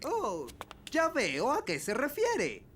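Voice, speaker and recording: An actor voicing a stern, sensible old elf in a children's cartoon, pedantic and measured, in Latin American Spanish. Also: high-pitched, huge pitch swings, noisy background, exaggerated voice. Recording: music behind.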